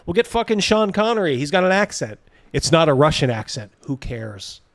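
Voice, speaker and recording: A man with a fairly high voice hosts a casual livestream reaction. He talks bluntly and mockingly, swears freely and breaks off to read viewer comments. The sound is close and dry, without room echo. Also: very animated, moderate pace, fairly bright tone. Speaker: host of a livestream reacting to a video.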